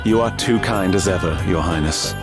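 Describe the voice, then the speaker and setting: Courtly, low-voiced young prince. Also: male voice, moderate pace. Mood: courteous. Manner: formal, courtly. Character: noble young prince, courteous, earnest and dutiful. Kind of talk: video game voice acting. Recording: loud music behind the voice.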